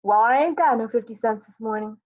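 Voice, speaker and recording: A woman's voice: fairly high pitch, brisk, close to an everyday voice. A tired young mother from a stage drama, read by a woman. She is stern but loving, dry and clipped in her orders. The recording is thin and phone-like. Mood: scolding. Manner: scolding, dry, clipped commands.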